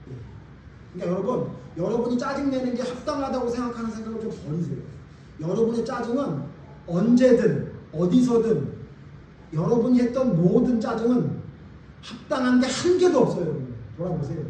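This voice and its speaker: Preaching a sermon with emphasis, this male pastor hurls rhetorical questions at his congregation in a church sanctuary. He has an extremely high, sing-song, warm voice delivered fairly quickly. Sound comes through a distant mic in an echoey hall with faint room noise.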